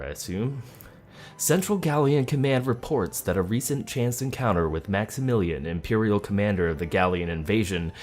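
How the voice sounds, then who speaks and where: A man doing game commentary for a let's play, reading in-game text and talking through his choices. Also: lowish voice. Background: game music.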